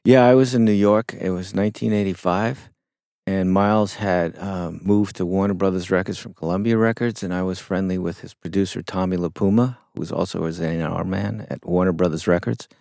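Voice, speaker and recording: A middle-aged man with a low, gravelly voice tells stories slowly and thoughtfully as an interview guest. He pauses often with fillers. The sound is dry and close, with no room echo. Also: fairly even intonation, darkish tone. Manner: reflective, unhurried, with frequent fillers. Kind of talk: conversational interview storytelling.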